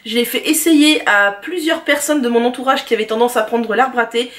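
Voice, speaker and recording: A woman with a high voice talks through her favorite products in a chatty, enthusiastic vlog at home. She often pauses on small fillers as she goes. Her voice sounds set back from the microphone. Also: fairly bright tone. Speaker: beauty and lifestyle vlogger. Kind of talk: casual product review monologue. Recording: voice distant from the mic.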